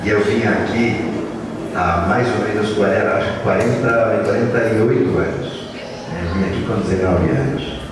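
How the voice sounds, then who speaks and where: A man, telling his life story to students at a school event in an unhurried, reflective way. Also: on the low side. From Argentina. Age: 60s. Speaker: guest speaker. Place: large school hall. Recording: echoey hall from far off, with noise.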